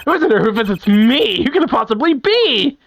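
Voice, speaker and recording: A man's voice: very high voice, very animated, a little fast, vocal fry, a bit bright, faint music behind, voice pushed up, heavily acted, low-quality recording. A man voicing a creepy, gleefully unhinged male villain in prison, reading game dialogue aloud in a theatrical, taunting way.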